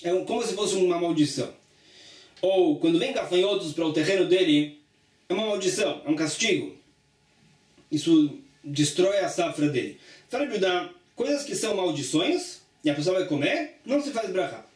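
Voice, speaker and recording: Teaching a religious study lesson, a man with a high-pitched, expressive voice reads a passage a little fast and explains it in plain terms, frequently repeating points. He's a Talmud teacher, recorded from a distance in an echoey room.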